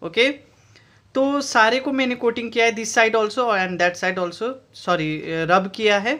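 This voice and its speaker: A man with an Indian accent walks through a DIY battery build, mixing Hindi and English as he explains each step. His voice is bright, and he talks slowly and deliberately. He records on a phone held over his workbench. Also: high-pitched, fairly even intonation. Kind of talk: DIY tutorial. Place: indoor workbench.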